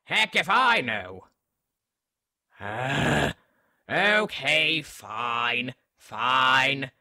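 A man's voice: medium pitch, expressive, very slow, bright, forceful tone, dry recording, clean studio sound, full character voice. A man playing a brash, mocking, slightly unhinged Christmas spirit in a fan audio drama, with flippant, theatrical delivery. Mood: mocking, impatient.

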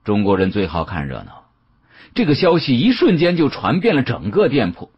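Husky guy reading an audiobook, really animated, slightly muffled sound. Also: medium pitch, moderate pace. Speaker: audiobook narrator. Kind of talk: dramatic storytelling narration.

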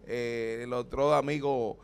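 A man's voice: mid-range voice, fairly even intonation, slow, gravelly, smooth. A man, a panelist chatting on an outdoor morning TV show.

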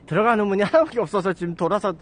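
Rapid-fire and expressive, a man in his thirties with a voice that sits high rambles through a casual walking livestream. He holds his phone at arm's length on a residential street and keeps undercutting himself with self-mocking comments.

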